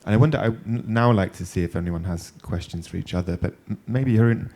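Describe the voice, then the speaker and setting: A low-voiced man hosts a panel talk. His tone is dark and mellow, and he tells thoughtful stories in loose, rambling phrases. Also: fast. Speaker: panel moderator. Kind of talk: panel discussion. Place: panel event.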